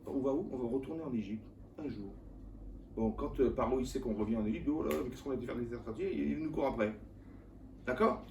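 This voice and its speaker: Animated rabbi teaching in an echoey room. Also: male voice, medium pitch, fast. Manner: colloquial and animated, firing rhetorical questions at listeners. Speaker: rabbi teaching a Torah class. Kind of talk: informal Torah lesson to a live audience. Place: lecture room with live audience. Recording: echoey room, mic at a distance, faint background noise.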